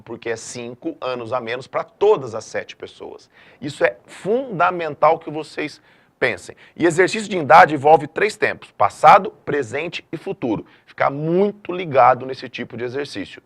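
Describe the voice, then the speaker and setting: A middle-aged man from Brazil giving a math video lesson, emphatic and lively, often checking in with the students. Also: fairly high pitch. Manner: lively, emphatic classroom delivery with frequent checks like "tá?". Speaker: math teacher.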